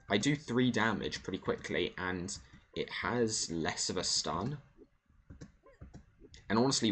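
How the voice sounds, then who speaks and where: A man's voice: low voice, a bit bright, a little hiss or hum. A man streaming a video game, thinking aloud in a casual, rambling way with many fillers. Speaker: gaming streamer. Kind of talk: casual gameplay commentary.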